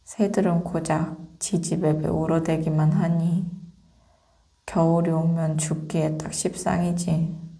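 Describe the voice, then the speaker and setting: A woman voicing a callous, self-satisfied male mole in a softly read ASMR fairy tale, measured and disdainful. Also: sits low, little pitch movement, vocal fry. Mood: scornful, smug. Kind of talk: soft ASMR storybook reading.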